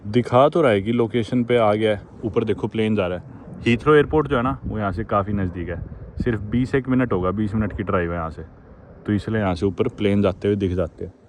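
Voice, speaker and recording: A man's voice: fairly low pitch, a little fast, darkish tone, slight background noise. A young man from India, chatting casually as a travel vlogger while walking outdoors and explaining what he sees. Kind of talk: casual travel vlog narration. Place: outdoors by a road in a small town.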